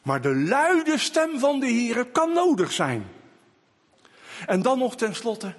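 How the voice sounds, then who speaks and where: A man preaching a sermon in slow, emphatic delivery, now and then rising to loud calls. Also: high-pitched, slightly rough, big-room sound.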